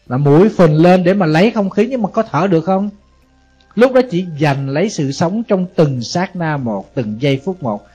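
A man's voice: a little high, warm tone. A male Buddhist monk with a Southern Vietnamese accent, preaching in a conversational way and asking the audience rhetorical questions. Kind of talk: Buddhist sermon. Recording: dull lo-fi audio, faint music behind.

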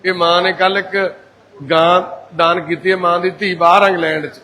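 Man, shelter head, calm and soothing, fairly high voice, easygoing chat with families. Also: normal speed. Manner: calm, gently reassuring, soft-spoken. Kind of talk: casual talk with residents and families.

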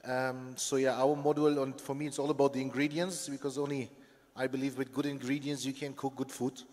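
A man's voice: mid-range voice, a little fast. A man in his forties, an executive chef, speaking earnestly on a conference panel into a handheld mic. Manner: earnest, steady, flat delivery. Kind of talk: panel discussion on stage. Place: large conference stage. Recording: long hall reverb.

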